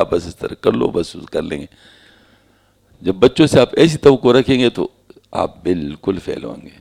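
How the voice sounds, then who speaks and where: A man, fairly low-pitched and gravelly, with a dark, mellow tone. He gives parenting advice in a patient, explanatory way, posing rhetorical questions and answering them himself. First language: Pashto. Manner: explains with homely examples. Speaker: speaker giving parenting advice. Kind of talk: explanatory talk.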